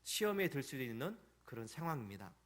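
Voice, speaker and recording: A man's voice: mid-range voice, sing-song, quick pace, a bit bright. Man preaching a Sunday sermon. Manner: storytelling with rhetorical questions to the congregation; acts out quoted pleas and sayings. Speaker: pastor. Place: church sanctuary.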